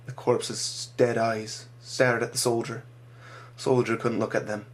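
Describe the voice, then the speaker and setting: Man narrating his own story, measured pace, mid-pitched voice. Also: flat delivery.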